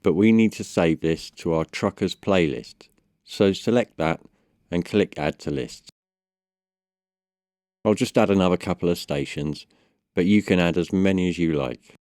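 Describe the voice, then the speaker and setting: A man with a low-pitched voice presents a step-by-step software guide. His delivery is measured and instructional. The sound is dry, with very little room in it. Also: dry recording. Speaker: tutorial presenter. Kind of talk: step-by-step software tutorial voice-over.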